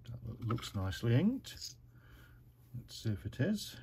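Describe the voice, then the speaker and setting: A British man with a mid-range voice and measured pace talks himself through a card-making tutorial at his craft desk, relaxed and teasing himself as he goes. A little hiss or hum is present.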